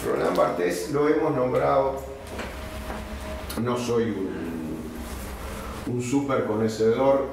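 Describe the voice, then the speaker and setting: A man's voice: medium pitch, lively intonation, slow pace, gravelly, pauses often. A man teaching a literature workshop, reading notes aloud and breaking off into conversational asides and questioning tags to his class. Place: echoey classroom with students. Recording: echoey room, distant mic, faint noise.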